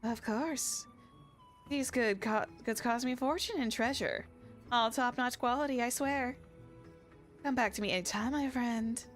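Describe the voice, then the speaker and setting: A woman's voice: a little high, measured pace, natural voice. A woman voicing a sly, teasing young shady merchant in a game, with theatrical salesy delivery. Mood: smug, salesy. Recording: music behind the voice.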